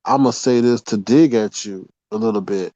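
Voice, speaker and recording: A man's voice: on the low side, normal speed, dark tone, highs cut off. A man on a live chat panel, casually critical and searching for his words.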